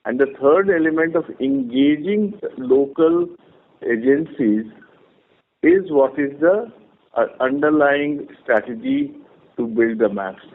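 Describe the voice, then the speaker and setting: A man, a company executive, explains his company's plans to analysts on an earnings call in a measured way with restarts. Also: fairly high pitch, sing-song. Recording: tinny phone line.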